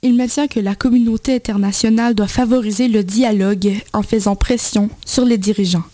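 A woman radio reporter delivering a scripted report in a measured tone. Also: medium pitch, steady tone, mellow, no echo.

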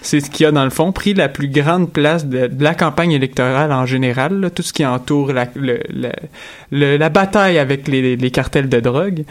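A young man talks through a radio news recap, stumbling over restarts and fillers as he goes. His voice sits a bit high for a man. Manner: halting, many fillers and restarts. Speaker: news segment presenter.

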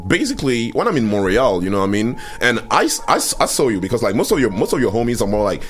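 A man's voice: mid-range voice, sing-song, quick pace. A man from Cameroon hosting a casual podcast chat, talking loosely with many fillers and restarts. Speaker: podcast host.

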